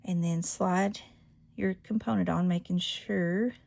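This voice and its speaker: A woman's voice: on the low side, fairly even intonation, slow pace, creaky, a little mellow. Chatty woman demonstrating jewelry making. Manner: chatty, self-correcting, laughs at her slips. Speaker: jewelry-making channel host. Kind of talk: casual craft tutorial.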